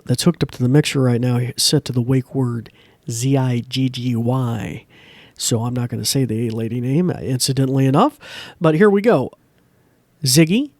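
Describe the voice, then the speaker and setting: A man's voice: a little high, darkish tone, dry recording. A man hosting a podcast, giving a casual, chatty, informal tutorial into a close mic. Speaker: podcast host. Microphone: close podcast mic through a mixer.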